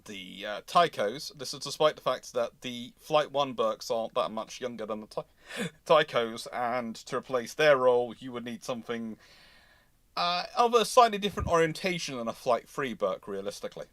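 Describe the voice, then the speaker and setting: A man's voice: mid-range voice, expressive, normal speed, fairly bright tone, no echo. A man hosting an informal live question-and-answer session, conversational and opinionated, repeating phrases for emphasis. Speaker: host of naval history live stream.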